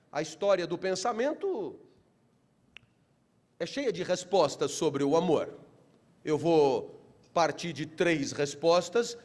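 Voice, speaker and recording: A middle-aged man giving a motivational philosophy lecture, asking rhetorical questions and building to emphatic delivery. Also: high-pitched.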